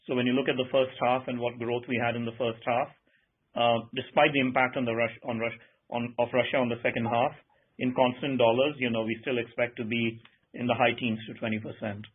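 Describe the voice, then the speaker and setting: A man's voice: medium pitch, flat delivery, a little fast, breathy edge. A man speaking as a finance executive, giving an answer on an earnings call. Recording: muffled narrow-band phone line.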